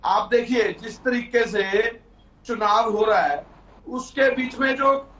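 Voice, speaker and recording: A political panelist in a heated debate makes an insistent, accusing statement in a very high-pitched, fairly bright voice, speaking slowly. He comes through a distant, dull remote line with a heavy, cave-like echo.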